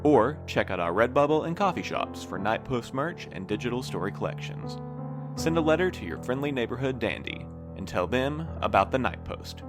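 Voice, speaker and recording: A man delivers a scripted podcast sign-off as announcer. His voice is medium in pitch, with plucked guitar music clearly playing behind him. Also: expressive, moderate pace. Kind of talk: scripted closing credits read.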